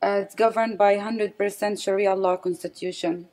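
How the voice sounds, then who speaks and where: A guest in an interview, this woman from the West Bank who grew up in Saudi Arabia speaks English with an Arabic accent in a medium-pitched, slightly mellow voice. Her non-native English is halting, and she frequently searches for words as she gives personal testimony with fairly even intonation.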